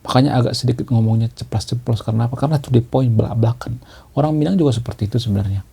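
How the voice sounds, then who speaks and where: A man's voice: mid-range voice, rapid-fire, vocal fry, mellow, breathy edge. A man giving a leisurely monologue commentary, explaining his views and tagging his phrases with a questioning "ya", often repeating key words. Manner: explanatory, ends phrases with a tag "ya".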